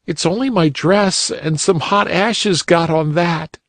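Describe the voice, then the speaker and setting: Man doing a sobbing little girl in falsetto. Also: slow pace, a bit bright, no room sound, full character voice. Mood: tearful. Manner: high, sobbing, wailing. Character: little girl, tearful and frightened.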